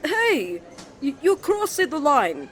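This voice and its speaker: A man's voice: extremely high pitch, huge pitch swings, slow pace, a bit bright, heavily acted. A man playing a jealous, flustered young student, a protective twin brother with a dramatic manner, in an ASMR romance roleplay. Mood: indignant. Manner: indignant, dramatic, stammering when flustered.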